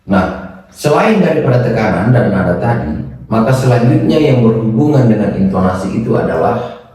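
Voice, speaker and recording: A man giving a recorded lesson in a measured way, stressing words and asking and answering his own questions. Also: fairly low pitch, big pitch swings, mellow. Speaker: lecturer. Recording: very echoey room, voice from a distance.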